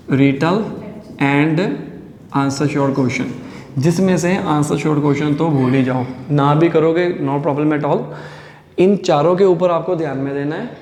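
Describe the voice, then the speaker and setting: A male exam coach teaches a live online class with a slightly high voice. He explains step by step, poses questions and answers them, and mixes in English phrases. The sound is roomy, with a long reverb tail. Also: a little mellow. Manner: mixes in English phrases, often says "no problem at all". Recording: echoey room with long reverb.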